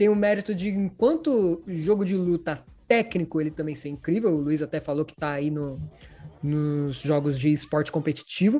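A man speaks with a dark, mellow tone and a fairly high pitch, using ordinary pitch variation. He keeps a moderate pace against a quiet background. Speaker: podcast host. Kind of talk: casual chat. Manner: animated.

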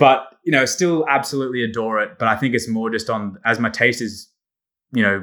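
On a very clean recording with a silent background, the speaker uses a bright, sharp tone with an Australian accent and ordinary pitch variation. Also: man. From Australia (Sydney). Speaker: DJ and music label manager. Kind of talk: casual chat.

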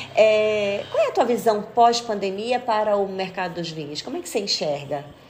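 Noticeable background noise sits behind a woman speaking at a moderate pace. Her pitch is medium and varies in an ordinary way. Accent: Brazilian. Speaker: podcast host. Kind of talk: interview.

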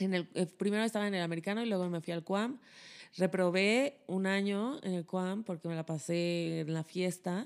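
A woman's ordinary speaking voice at medium pitch, moderate pace and ordinary pitch variation, on a very clean recording with a silent background. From Mexico, Cancún (born Acapulco). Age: 30s. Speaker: stand-up comedian. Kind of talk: casual chat.

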